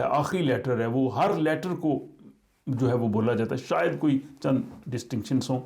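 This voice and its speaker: Mellow-voiced man teaching. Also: medium pitch, creaky. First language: Urdu. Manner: slow, measured, with frequent hesitations. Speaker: language teacher. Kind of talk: explanatory language lesson.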